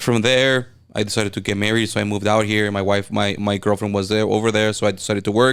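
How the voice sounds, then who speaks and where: Talking at a fairly quick pace, a man uses a fairly low pitch and a monotone, flat intonation. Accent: strong Mexican. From Mexico, Puerto Peñasco, Sonora. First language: Spanish. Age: 30s. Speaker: videographer and content creator. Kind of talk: podcast interview. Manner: halting, many repetitions and restarts.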